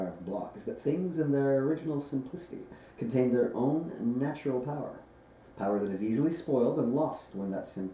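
It is an unforced reading voice with lively intonation.

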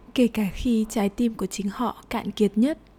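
At a fairly slow pace, a woman speaks in a fairly high, somewhat breathy voice with a dark, mellow tone and ordinary pitch variation, recorded with a dry, close sound and no echo. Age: 30s. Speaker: podcaster. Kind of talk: personal reflective monologue. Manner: soft-spoken.

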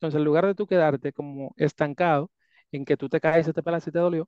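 A man's normal speaking voice, fairly high-pitched, at a fairly quick pace with fairly even intonation. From Dominican Republic, San Cristóbal. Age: 20s. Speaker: industrial engineer. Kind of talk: casual chat.

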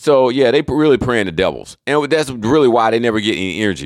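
A man talks fairly quickly with lively intonation. The recording is very clean, with a silent background. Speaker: podcast host. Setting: home recording, solo. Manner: casual and rambling, informal, with frequent fillers.

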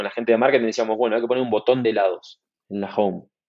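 The speaker has an Argentine accent. Pitch varies in an ordinary way. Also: man. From Argentina. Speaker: startup country manager. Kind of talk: interview. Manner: halting, repeats words.

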